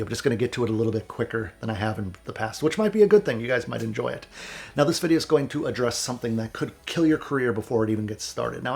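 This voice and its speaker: Raspy, stuffy-nosed man with gravelly voice. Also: mid-range voice, a little mellow. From central Wisconsin. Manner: earnest, motivational, candid. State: sick with a cold, stuffy nose. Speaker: music producer and YouTuber. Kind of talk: vlog advice talk to camera.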